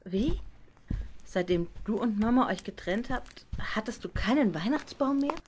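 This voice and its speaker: A woman's voice: fairly high pitch, animated, measured pace, a little mellow, slight background noise. A woman playing an earnest, principled young adult daughter in a naturalistic radio drama. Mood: tentative, casual. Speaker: voice actor in an audio drama.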